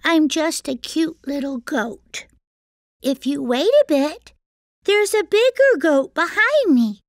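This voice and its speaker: A woman's voice: high-pitched, expressive, takes it slowly, dry recording, studio quality, voice pushed up, heavily acted. A woman voicing a small, cute young billy goat in a sweet, pleading tone.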